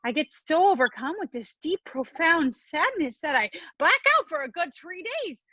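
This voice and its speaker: A woman's voice: sits high, sing-song, normal speed, sharp tone, dry recording, lo-fi sound, exaggerated voice. A woman playing a chatty, politely cheerful Midwestern mom with a Minnesotan accent in a comedy sketch reading. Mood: folksy, deadpan.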